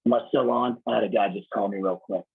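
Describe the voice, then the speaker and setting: A raspy-voiced man in his thirties, a military officer giving a blunt, casual leadership talk over a video call. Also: fairly low pitch, steady tone, fast, narrow, tinny audio, slight background noise. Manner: blunt, casual, swears lightly. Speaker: Marine Corps officer speaking to a unit.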